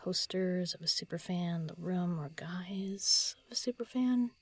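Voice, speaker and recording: A woman playing a solitary, pensive writer in an audio drama, murmuring halting lines to herself as she composes, often half-whispering. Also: fairly low pitch, darkish tone, husky. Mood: pondering, self-critical. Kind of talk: intimate audio drama monologue, thinking aloud.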